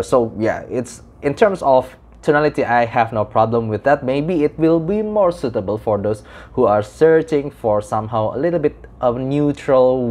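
A young man gives a casual product review to camera, in halting, repetitive phrasing. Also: mid-range voice, a little mellow. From Indonesia. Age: young adult. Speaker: audio gear reviewer. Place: small room indoors.

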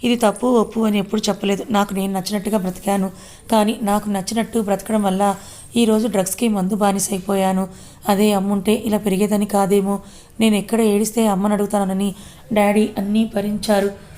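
A woman's voice: mid-range voice, little pitch movement, brisk, warm tone, lightly acted. A woman reading a tearful lovesick young woman. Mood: pleading. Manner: plain read-out dialogue.

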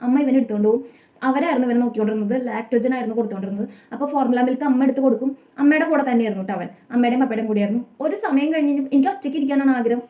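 Her fairly high, mellow voice carries a Malayali accent as this young woman vlogger recounts a personal story to camera. The delivery is earnest, quick and confessional, with "kettō" tagged on frequently, recorded in a room with noticeable echo.

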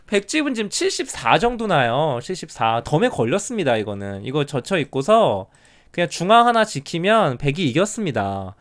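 A middle-aged man gives live commentary on a Go game in a smooth, resonant voice. He drops to a low murmur to count points, then comes back louder with quick, animated reactions. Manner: counts territory under his breath, then exclaims at turns.

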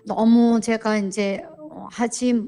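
Woman, forties, hesitant church member; slow delivery, mellow tone, soft music behind. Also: a little high, fairly even intonation. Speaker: church member sharing her story. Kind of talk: counseling interview.

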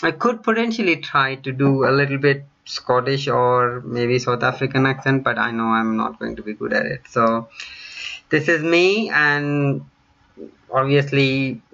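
A man's voice: medium pitch, measured pace, gravelly, bright, forceful tone, highs cut off. A man in his thirties with a mixed Indian and British accent, chatting casually to his channel while reading viewer comments, with lots of ums and restarts. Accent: Indian with British mix. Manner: chatty, many ums and self-corrections. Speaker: tech YouTuber. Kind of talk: casual screen-share vlog reading comments. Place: small room at home, indoors.

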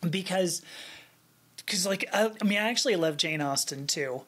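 A woman's voice: lowish voice, normal speed, fairly bright tone, husky. A middle-aged woman hosting a podcast from home, talking in a hesitant, self-deprecating way into a desk mic. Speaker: podcast host. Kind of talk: casual conversational interview. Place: home room with bookshelves. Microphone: desk microphone.

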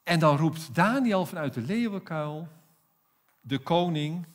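A pastor with a South African accent preaching a sermon in a church, emphatic and full of rhetorical questions. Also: male voice, on the high side, expressive, takes it slowly.

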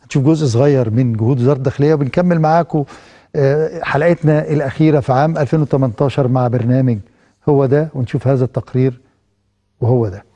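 A man's voice: mid-range voice, fairly even intonation, fast, warm tone, dry recording. A man with an Egyptian Arabic accent, hosting a talk show on location outdoors, upbeat and chatty. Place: outdoors by a fountain in a city square. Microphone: handheld microphone.

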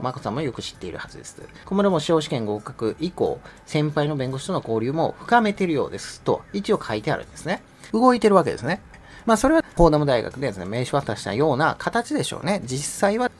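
A man's voice: on the high side, a little hiss or hum. A middle-aged man giving sarcastic, mocking commentary in a casual, conversational way.

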